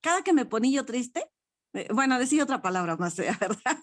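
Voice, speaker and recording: Older mexican lady telling her faith story, bit high voice, blunt and laughs at herself. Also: sing-song, fairly quick, no room sound, clean studio sound. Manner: frank and self-deprecating, laughs often. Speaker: study group participant. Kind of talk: personal spiritual testimony.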